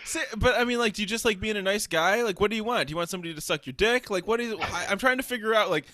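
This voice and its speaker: Very bright, high-voiced man cracking crude jokes. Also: rapid-fire, no echo, studio quality. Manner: crude, laughing wisecracks. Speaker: podcast co-host. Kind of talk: casual comedy podcast banter.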